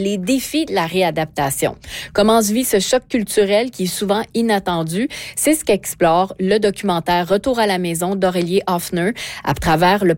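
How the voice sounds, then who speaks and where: A woman with a Canadian French accent hosting a live morning radio show, relaxed and conversational, often pausing with fillers. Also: mid-range voice, no room sound. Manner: relaxed, conversational, with frequent hesitations.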